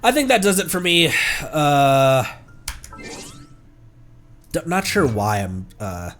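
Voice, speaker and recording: A man with a stuffed-up nose giving casual, rambling commentary as a livestreamer, often halting and correcting himself. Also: on the high side, big pitch swings, fairly bright tone, soft background music. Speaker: livestreamer, VTuber. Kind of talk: casual game stream commentary.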